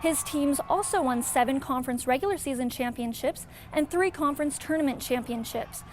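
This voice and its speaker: A woman's voice: sits high, brisk, slight background noise. A woman with an American accent reading a scripted sports newscast as the anchor.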